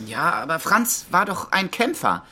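Defensive idealist activist in a crime radio play, sharp tense voice, evasive, gets indignant. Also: male voice, high-pitched, very animated, unhurried, exaggerated voice. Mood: defiant. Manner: evasive, indignant, hesitant when pressed. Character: defensive, idealistic male environmental activist under questioning. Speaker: actor in a crime radio drama. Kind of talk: German crime radio drama dialogue.

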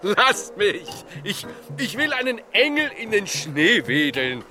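Radio drama role: weary yet ecstatic learned friar, slow and halting, music underneath. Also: male voice, high voice, very animated, full character voice. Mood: childlike giddiness. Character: weary, ecstatic medieval friar and master scholar. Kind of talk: radio play acting.

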